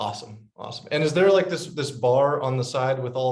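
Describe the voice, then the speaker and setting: Somewhat breathy, a man with an American accent talks at a medium pitch. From Northern California (Davis). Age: 20s. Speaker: artist. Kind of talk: artist talk presentation.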